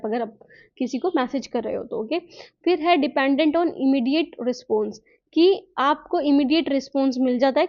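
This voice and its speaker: A woman teacher gives a recorded lecture, mixing Hindi and English, reading points slowly and then explaining them in a chatty way with frequent tag questions. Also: high-pitched. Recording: dull lo-fi recording.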